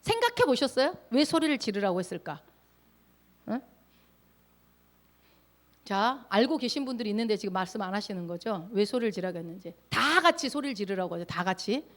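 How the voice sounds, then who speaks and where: A woman's voice: medium pitch, very animated, brisk, long pauses. A woman pastor preaching a sermon, emphatic, often putting questions to the congregation.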